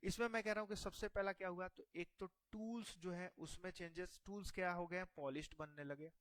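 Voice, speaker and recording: High-voiced male history teacher, dry. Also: steady tone, brisk, a bit bright, dry recording. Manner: explains with repeated rhetorical questions and checks. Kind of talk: exam-prep lecture.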